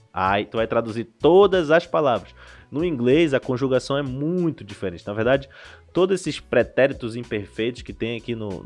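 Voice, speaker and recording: A Brazilian man, a language school director, explaining things in a casual podcast interview, restarting his sentences often. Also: mid-range voice. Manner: animated explainer with frequent restarts.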